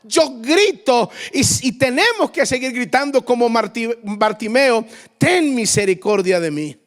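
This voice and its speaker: A middle-aged male pastor preaching a fervent sermon, often rising to shouts. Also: very high-pitched.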